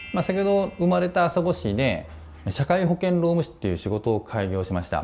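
A man talking at a fairly quick pace, faint music in the background. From Japan, Hyogo (Asago); Hyogo, Japan. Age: 40s. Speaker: labor consultant and business owner. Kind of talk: career advice talk to students. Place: office. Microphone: lapel.

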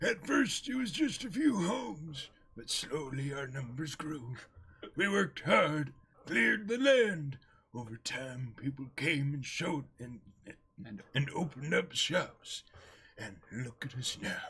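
Doing a put-on character voice, a man speaks fairly high and fairly slowly, his pitch swinging very widely. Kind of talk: comic dramatic reading. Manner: passionate, stubborn, growing louder.

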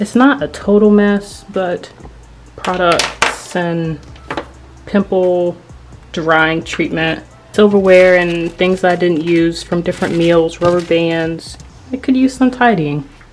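Over light background noise, a woman speaks at a very slow pace and a fairly low pitch, with ordinary pitch variation and long, frequent pauses. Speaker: vlogger. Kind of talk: casual vlog chat. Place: home room. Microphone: phone near.

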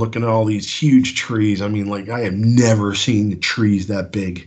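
A man with an American accent speaks in an unremarkable speaking voice at a medium pitch. His intonation is fairly even, his pace moderate, and the background quiet. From New York City area. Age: 40s. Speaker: electrician and IT professional sharing encounter stories; caller. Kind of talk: first-person encounter testimony. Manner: casual with many filler words. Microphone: phone line.

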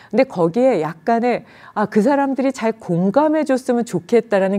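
In a dark, mellow tone, a woman talks at a moderate pace. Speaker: yoga and meditation teacher; meditation teacher. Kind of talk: casual talk on meditation; guided breathing instruction. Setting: live stream. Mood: warm, reflective. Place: hall. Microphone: studio mic.

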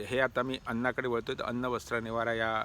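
Here is a man with a medium-pitched voice. His tone is bright and sharp. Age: 60s. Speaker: local history storyteller. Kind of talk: personal recollection monologue. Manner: halting.

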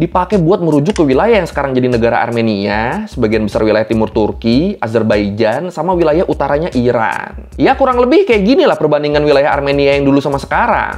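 A man at a very fast pace, with hardly any pauses and very wide pitch swings. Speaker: educational YouTuber. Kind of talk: history explainer. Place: home room.

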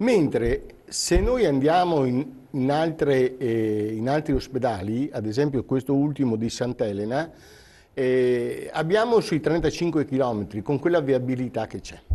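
A man's medium-pitched voice with a dark, mellow tone and lively intonation, at a very slow pace. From Veneto, lower Padua province (Montagnana area); Veneto. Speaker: retirees' association president; guest. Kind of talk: TV panel discussion. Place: studio. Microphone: lapel.

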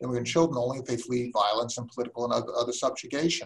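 A man speaks very fast in a somewhat breathy, medium-pitched voice against a quiet background. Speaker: webinar host. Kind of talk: panel discussion. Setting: video call. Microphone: video call.

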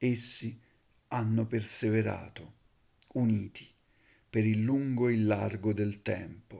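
A man with a fairly low voice speaks very slowly in a solemn tone, his loudness very even and his intonation fairly even. The background is quiet. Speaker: poetry reader. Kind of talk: poetry reading, reading aloud a translated poem. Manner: measured, slow, solemn; expressive, contemplative delivery. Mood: calm, solemn, measured. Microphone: phone near.

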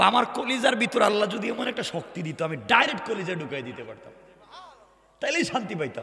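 Over noticeable background noise and audible room echo, a man uses a raised, projected voice at a high pitch, with an animated tone and very wide pitch swings. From Bangladesh, Sylhet. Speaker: Islamic preacher. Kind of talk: sermon.

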